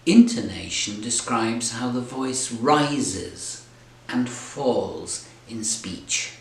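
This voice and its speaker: A male English tutor talks learners through a lesson in a clear, deliberate, encouraging way. He speaks very slowly at an ordinary pitch. His voice carries a noticeable room echo. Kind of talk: slow, careful teaching explanation. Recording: roomy echo.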